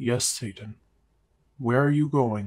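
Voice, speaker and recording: A man's put-on character voice, medium in pitch, with ordinary pitch variation. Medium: read story. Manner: polite, deferential.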